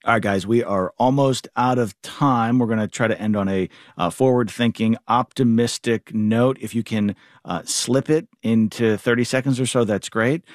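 A man's voice: mid-range voice, normal speed, dry recording, studio quality. A man hosting a radio talk show panel, asking long, informal questions with restarts. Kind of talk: moderating a panel discussion.

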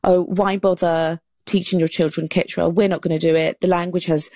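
A woman with a lowish voice talks through her ideas in an earnest, explaining way, and sometimes she restarts a phrase. The sound is dry and close. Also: level tone, moderate pace, dark tone, no room sound. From England. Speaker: author and guest. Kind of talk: radio panel discussion.

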